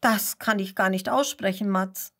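Woman voicing a little velociraptor boy for a kids' story, serious and indignant, loud. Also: mid-range voice, a little slow.

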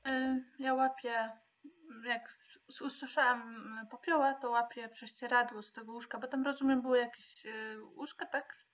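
A woman's voice: fairly high pitch, steady tone, normal speed, muffled recording. A woman playing a tabletop game, asking tentative questions. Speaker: player. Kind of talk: casual tabletop play.

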